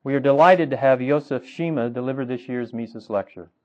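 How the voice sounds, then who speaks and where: A man's voice: mid-range voice, brisk. Man reading a formal introduction, lo-fi. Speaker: conference host introducing the speaker. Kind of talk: scripted introduction read aloud. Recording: dull lo-fi recording.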